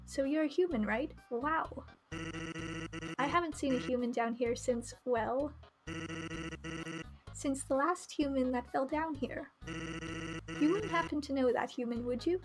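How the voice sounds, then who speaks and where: An easygoing skeleton character from a visual novel, read by a woman, friendly and fond of jokes. The delivery is casual and laid-back, in a high register. Music plays behind it. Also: unhurried, pauses often, poor audio.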